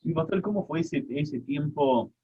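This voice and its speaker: A man's voice: on the high side, lively intonation, unhurried, slight background noise. A man hosting a Christian radio interview, formal and reverent, addressing his guest with respect. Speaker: radio host. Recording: thin phone-like line.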